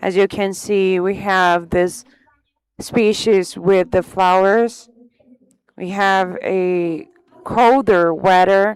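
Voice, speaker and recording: Speaking at a very slow pace with long, frequent pauses, a woman keeps a medium pitch and fairly even intonation. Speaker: conservation program founder presenting at a seminar. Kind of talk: conference presentation.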